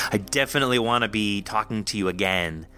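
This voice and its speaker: A man's voice: fairly low pitch, normal speed, sharp tone. A man hosting a conversational author interview on a podcast, speaking in an effusive, encouraging way. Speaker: podcast host.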